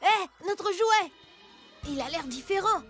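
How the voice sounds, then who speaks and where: A woman's voice: extremely high pitch, expressive, slow pace, fairly bright tone, soft background music, full character voice. A woman voicing an eager, wide-eyed young child in a children's cartoon. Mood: excited, grateful. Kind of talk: animated children's cartoon dub.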